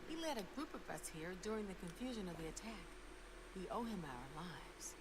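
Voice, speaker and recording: An actress playing a shaken, distressed survivor of a sacked city in a fantasy video game. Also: female voice, fairly low pitch, very animated, fairly quick. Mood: shaken, grateful. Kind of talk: video game dialogue acting. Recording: very noisy game stream capture.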